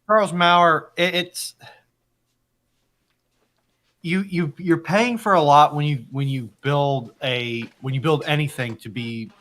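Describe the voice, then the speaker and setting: A man's voice: on the high side, takes it slowly, long pauses, fairly bright tone. A man speaking as a panelist in a casual history discussion, building his argument in repeated phrases.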